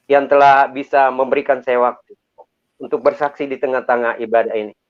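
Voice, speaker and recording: A man's voice: mid-range voice, level tone, fairly quick. Middle-aged man from Makassar, church testimony, earnest preacherly delivery, tinny phone-like audio, mid-range voice. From Makassar, Indonesia. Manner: earnest, preacherly, repeatedly addresses listeners as brothers. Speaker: convert giving testimony.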